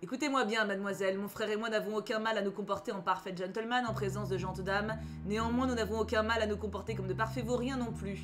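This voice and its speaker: A woman voicing a rough, crude male gangster who speaks with blustering, mock-gallant manners, as she reads a story aloud. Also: medium pitch, fairly even intonation, quick pace, few pauses, music in the background, close to an everyday voice.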